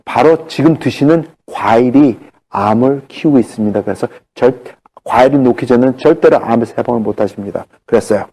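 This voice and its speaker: A man giving a seminar talk, telling stories in an animated way and acting out the dialogue. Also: mid-range voice, fairly quick, breathy edge. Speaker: seminar speaker on cancer.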